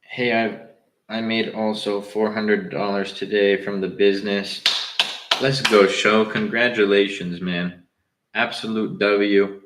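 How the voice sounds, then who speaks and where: A man's voice: lowish voice, level tone, takes it slowly, a bit bright, roomy sound, slight background noise, rough recording. Slangy young man hosting a livestream. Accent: Southern Californian. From Southern California. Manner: loose, slangy, talks straight to viewers. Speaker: livestream host. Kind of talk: casual livestream chat.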